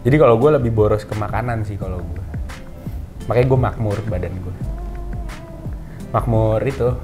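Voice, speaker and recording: A man's voice: fairly low pitch, normal speed. Young man, playful and teasing, slangy chat, music underneath. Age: young adult. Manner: playful, laughs often, teasing. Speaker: interviewee. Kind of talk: casual joking chat.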